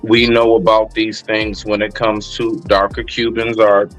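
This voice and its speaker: A man's voice: lowish voice, level tone, a little slow, fairly bright tone, soft background music, rough recording. A man hosting a live online panel, talking loosely and conversationally, with many fillers and restarts. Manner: calls panelists brother and sister. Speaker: live stream host. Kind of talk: casual panel discussion.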